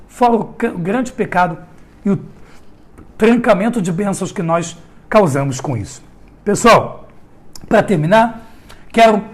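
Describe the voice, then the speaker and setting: High-voiced rabbi telling a story. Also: male voice. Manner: animated storytelling teacher, addresses the audience directly. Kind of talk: Torah lesson storytelling. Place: Israel.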